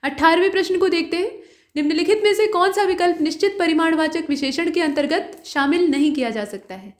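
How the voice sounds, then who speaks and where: A woman teacher going through mock exam questions one by one, explaining each answer to the viewer in a steady, direct way. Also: extremely high pitch, fairly quick, echoey room.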